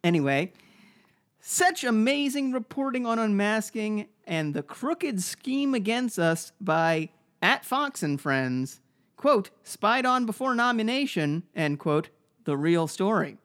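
A man's voice: high-pitched, big pitch swings, slow pace, a bit bright. Nasal-voiced man riffing on a podcast. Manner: rambling, stammers and repeats words. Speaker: podcast co-host. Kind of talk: casual comedic chat.

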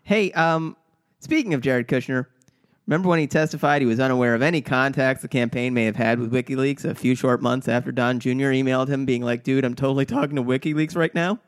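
A man's voice: medium pitch, fast, no room sound, clean studio sound. Sarcastic man chatting on a podcast. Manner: sarcastic, acts out mocking quotes in silly voices. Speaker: podcast co-host. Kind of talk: casual political comedy chat.

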